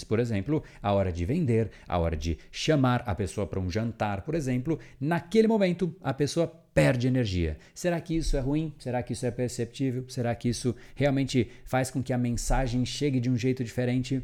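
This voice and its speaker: Animated man, mellow voice. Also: mid-range voice. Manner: animated, explanatory, rhetorical questions, acts out quoted listeners. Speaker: podcast host and communication coach. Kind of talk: solo podcast monologue.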